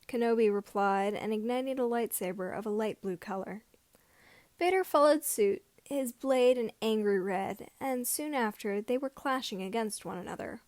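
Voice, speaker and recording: A woman narrates fiction in a fairly high voice. Her phrasing is a little halting, and the recording is very dry, with no room around it. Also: a little mellow, no room sound. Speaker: podfic reader.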